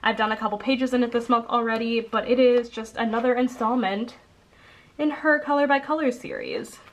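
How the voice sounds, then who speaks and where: A young woman with a slightly high voice chats casually through a congested nose. She rambles a bit, dropping ums and correcting herself as she goes. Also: animated, moderate pace. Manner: chatty, rambling, frequent ums and self-corrections. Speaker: coloring channel host. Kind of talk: casual haul video chat. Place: indoors at a table.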